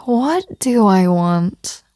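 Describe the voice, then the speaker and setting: A woman's voice: mid-range voice, very animated, very slow, mellow, no echo. Woman playing a flirty mafia boss, close and dry. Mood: playful, teasing.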